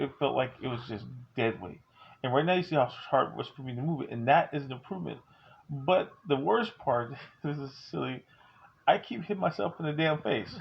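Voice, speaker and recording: A man's voice: mid-range voice, vocal fry, dull audio, a little hiss or hum. A man in his forties talking at home, candid and joking but earnest as he gives advice. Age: 40s. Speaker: vlogger. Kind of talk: casual talk to camera.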